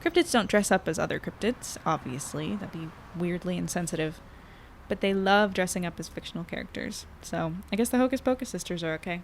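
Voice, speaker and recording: A woman's voice: lowish voice, fairly quick, vocal fry, a little hiss or hum. A woman playing an upbeat young reporter who narrates a chatty audio journal in an audio drama. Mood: chatty, pleased. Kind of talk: conversational first-person audio drama narration.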